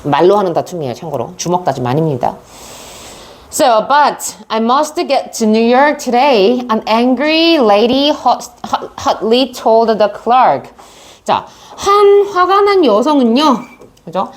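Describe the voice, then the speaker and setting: A woman's voice: a little high, very animated, takes it slowly. A woman teaching an English reading lesson in a chatty, storytelling way, with asides to her students. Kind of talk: casual classroom lecture.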